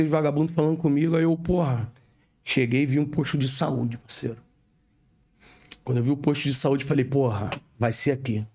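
A man with a Rio de Janeiro accent, a police corporal appearing as a podcast guest, tells a story in slangy street talk, complete with sound effects. His voice sits at medium pitch and sounds a little mellow.

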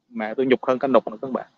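Speaking with a Southern Vietnamese accent, this man from Vietnam talks to his viewers in a blunt, casual rant, laughing a lot and repeating himself. The audio is narrow and tinny without echo, and his medium-pitched voice is husky.

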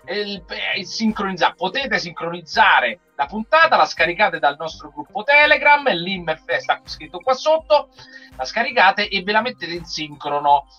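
A middle-aged man hosts a group livestream, a casual watch-along on a video call from a room at home, chatting and joking as he goes. His voice sits high and sounds expressive and sharp at a normal speed. The stream audio is dull and compressed, with music behind.

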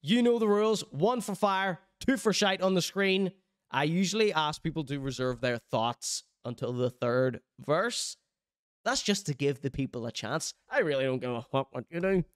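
A man's voice: fairly high pitch, animated, normal speed. A man, reacting live on stream with playful hype-man banter and mock-serious critique. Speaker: streamer reacting to a music video. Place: indoor streaming room.

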